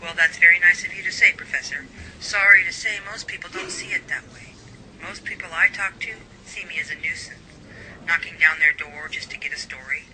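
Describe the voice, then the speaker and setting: A man voicing a persistent, sharp female news reporter in a radio drama, with a brisk, wry manner. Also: on the high side, slight background noise, poor audio. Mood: wry, polite.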